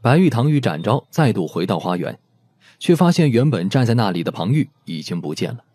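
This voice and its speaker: A man's voice: on the low side, big pitch swings, brisk, mellow, husky, no echo. A man narrating a scripted audiobook story expressively.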